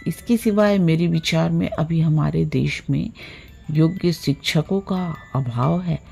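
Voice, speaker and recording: A woman narrating a literary story from a script, with measured, deliberate phrasing. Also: low voice, gravelly, dark tone. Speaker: storyteller, audiobook-style reader.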